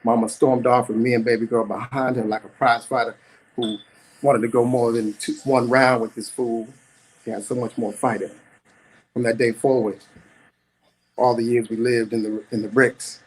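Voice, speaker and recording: A man's voice: mid-range voice, fairly even intonation, moderate pace, slight background noise, poor audio. A middle-aged man performing spoken-word storytelling at an open mic, dramatic, with rhythmic repetition.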